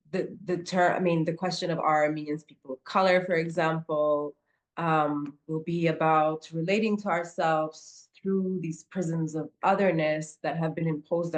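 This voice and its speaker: A woman co-hosting a podcast, searching for words with many fillers. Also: low-pitched. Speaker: podcast co-host. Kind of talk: casual conversational podcast.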